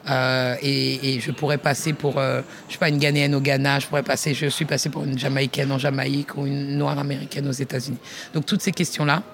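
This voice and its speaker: A woman's voice: very deep voice, little pitch movement, brisk, creaky, slight background noise. Woman researcher, reflective workshop talk, hesitant and searching, with frequent restarts and a familiar tone. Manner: thinks aloud with many restarts, addresses the listener informally.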